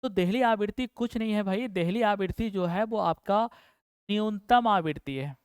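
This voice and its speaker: A man teaching an exam-prep physics lesson. He asks the class questions, answers them himself, and repeats key terms slowly for dictation. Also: high voice, clean tone, no room sound, studio quality.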